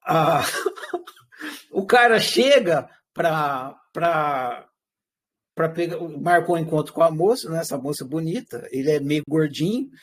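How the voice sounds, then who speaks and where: Animated high-voiced man teaching. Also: takes it slowly. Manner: animated, switches into acted quotes of everyday speech; rhetorical questions answered himself. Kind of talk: live class lecture with questions to students.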